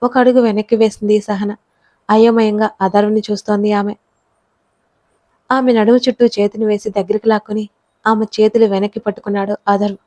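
A woman narrating a scripted audiobook story in a calm, steady manner. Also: mid-range voice, fairly quick, no room sound, rough recording.

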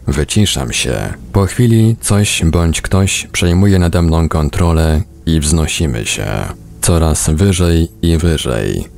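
A man narrates an audiobook in an exceptionally deep voice. His tone crackles with gravelly fry. He reads scripted text in a measured way, leaving deliberate pauses. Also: darkish tone. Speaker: audiobook reader on a radio programme.

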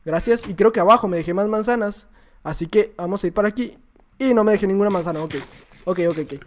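Man, Mexican accent, high-pitched, excitable gameplay commentary, loud and jokey. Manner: excitable, shouting and joking at opponents; rapid repeated exclamations. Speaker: YouTuber playing a block-building game.

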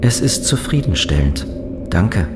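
An actor playing a polite, literal-minded ship's computer in a science fiction audio drama, formal and measured. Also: male voice, deep voice, big pitch swings, very noisy. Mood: calm, inquiring.

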